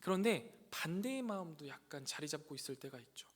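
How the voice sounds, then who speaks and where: A man preaching a sermon to young adults, earnest and full of rhetorical questions, building louder on key points. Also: on the high side, animated, fairly quick. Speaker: pastor. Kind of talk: sermon to a youth congregation. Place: church sanctuary. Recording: church hall reverb.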